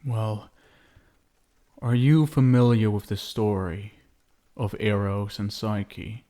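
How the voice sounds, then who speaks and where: A man playing a possessive, sinister yet doting vampire husband in an intimate ASMR roleplay, coaxing with endearments and lingering pauses. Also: fairly low pitch, fairly even intonation, warm tone. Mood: soothing, possessive.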